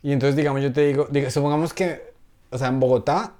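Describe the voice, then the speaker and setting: A man with a Colombian accent co-hosting a podcast, chatting casually with lots of slang and animated, joking storytelling. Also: medium pitch, fast. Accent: Colombian Spanish. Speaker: podcast co-host. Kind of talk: casual chat.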